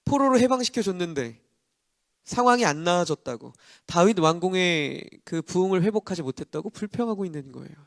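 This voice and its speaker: A man's voice: high voice, lively intonation, brisk, gravelly, dry recording, clean studio sound. A man, a pastor, giving a morning sermon, explaining the passage with rhetorical questions and acting out the quoted lines. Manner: acts out quoted lines dramatically.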